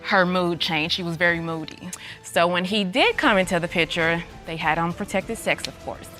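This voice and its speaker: A woman's voice: lowish voice, normal speed, pushed and bright. A woman witness giving unscripted testimony in a TV court. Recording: TV courtroom with faint music and audience.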